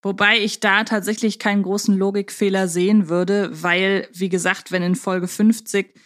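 A woman's voice: medium pitch, flat delivery, moderate pace, a bit bright. Woman reasoning through podcast chat. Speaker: podcast co-host. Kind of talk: casual podcast discussion.

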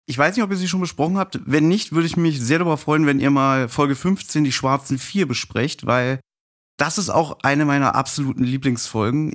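A middle-aged man talking casually and reminiscing as a guest on a podcast. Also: medium pitch.

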